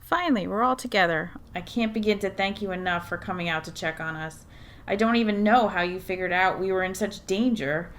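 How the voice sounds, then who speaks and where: A woman's voice: medium pitch, a little fast, a bit bright, natural voice. A woman playing a welcoming but worried middle-aged mayor in an audio drama, speaking in a courteous, direct, articulate way. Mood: earnest, concerned.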